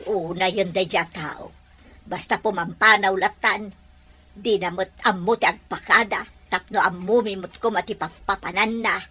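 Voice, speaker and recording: A woman acting as a weary, resentful mother in an amateur audio drama, with drawn-out delivery. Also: mid-range voice, fairly even intonation, pushed and bright, husky. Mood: worried, complaining.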